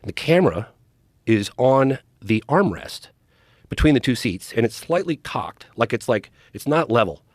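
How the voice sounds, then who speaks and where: Animated middle-aged man telling a story. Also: mid-range voice, moderate pace, no echo, clean studio sound. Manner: animated, acts out quoted dialogue. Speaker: documentary filmmaker guest. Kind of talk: casual storytelling in a podcast interview.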